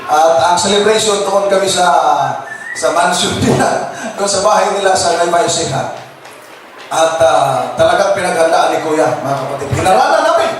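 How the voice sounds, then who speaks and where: High-voiced joking male pastor in echoey church. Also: lively intonation, moderate pace. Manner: jokes with the crowd and laughs often; keeps addressing the listeners as brothers and sisters. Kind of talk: humorous sermon to a congregation. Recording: very echoey church from a distance, noisy.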